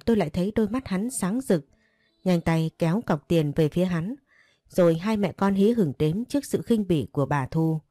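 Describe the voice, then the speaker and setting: A woman reading a first-person story aloud in a calm, measured way, with faint music behind. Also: fairly low pitch, no echo, studio quality. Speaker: narrator.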